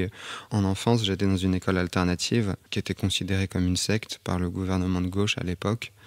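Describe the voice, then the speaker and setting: A man's voice: deep voice, dry recording. A man from Auvergne, a photographer speaking as a podcast guest in a reflective, hesitant way, full of fillers and restarts. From Auvergne, France. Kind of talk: reflective interview talk.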